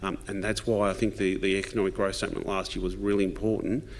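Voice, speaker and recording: This man speaks with an Australian accent. His pace is very fast. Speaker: state government minister. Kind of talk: fireside chat interview. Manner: halting, many fillers.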